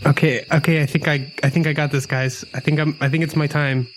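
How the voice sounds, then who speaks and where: A man talks casually as a tabletop player, halting as he works out his move. His voice is fairly high, with faint cricket and night noise behind. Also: flat delivery. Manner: halting, hesitant. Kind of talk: casual chat.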